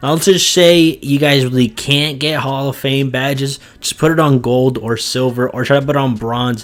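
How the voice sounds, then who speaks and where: Over noticeable background noise, a man at a medium pitch speaks with fairly even intonation and hardly any pauses. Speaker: gaming YouTuber. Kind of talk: tutorial. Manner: fast; casual.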